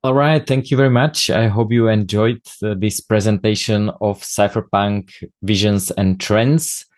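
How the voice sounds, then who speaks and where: A man with a Slovak accent and Slovak as his first language, hosting a podcast and giving a halting, earnest presentation full of pauses. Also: lowish voice, fairly even intonation, a little mellow, no room sound, studio quality. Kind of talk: informal spoken presentation.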